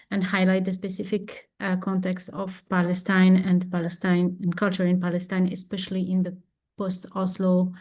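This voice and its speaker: A woman moderating a conference panel, halting and full of fillers as she introduces the next speaker. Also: fairly low pitch, darkish tone.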